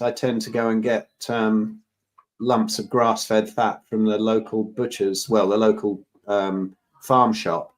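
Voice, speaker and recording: A man co-hosts a live Q&A over a video call, quick and lively with many stammering restarts. His voice sits a little low. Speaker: co-host on health Q&A. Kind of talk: live Q&A chat.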